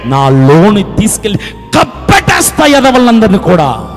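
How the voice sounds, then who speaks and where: The earth as a fierce, wrathful force, played by a preacher: fervent threats in a long-reverb hall. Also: male voice, high-pitched, wildly swooping pitch, normal speed, faint music behind. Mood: fervent, threatening. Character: the earth, huge and wrathful, eager to swallow.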